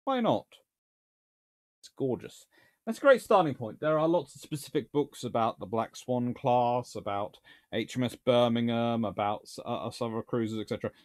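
A man's voice: mid-range voice, expressive, normal speed. A man, casually answering viewer questions from a home study, chatty and wry with dry humour. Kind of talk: casual livestream Q&A. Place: small home study with bookshelves.

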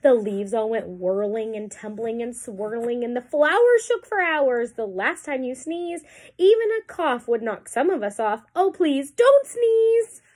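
A troop of frantic storybook monkeys begs in high, squeaky rhymes, as a woman puts them on. The voices jump all over the place and rise loud at the pleas. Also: lively intonation, measured pace. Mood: pleading. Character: frantic little monkeys in the trees.

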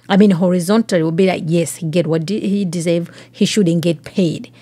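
A woman's voice: fairly low pitch, a little mellow, breathy edge, dry recording. A woman hosting a podcast, reading news aloud and commenting on it, putting questions straight to the listener. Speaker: podcast host.

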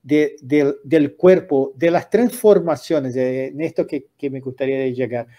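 Older man interviewing in a mellow voice. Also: medium pitch, a little slow. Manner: hesitant, searching for words. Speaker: interviewer and host. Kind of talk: casual conversational interviewing. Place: indoor room lined with books. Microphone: computer mic on a video call.

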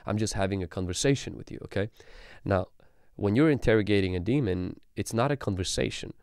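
A man in his thirties, a pastor, teaching calmly on a livestream into a studio mic in a small room, with frequent ums. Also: on the low side, a little fast, gravelly, clear, resonant tone, no room sound. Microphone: studio mic on boom arm.

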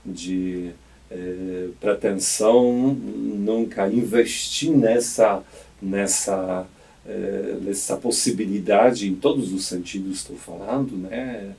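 A man's voice: lowish voice, steady tone, slow pace, creaky, dark tone, far from the mic. A man in his fifties, a bishop from Poland with a Polish accent, speaking in a radio studio interview, reflective and hesitant with many restarts. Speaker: auxiliary bishop. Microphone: studio mic on boom arm.

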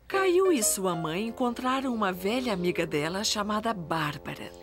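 A woman with a Brazilian accent playing a gentle narrator of a children's cartoon story. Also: mid-range voice, sing-song, moderate pace, lightly acted. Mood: gentle, storytelling. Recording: music behind the voice.

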